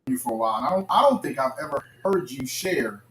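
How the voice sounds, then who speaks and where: A man hosting a casual chat, asking quick, eager questions. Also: medium pitch, lively intonation, fairly bright tone. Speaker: host. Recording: echoey room, faint noise.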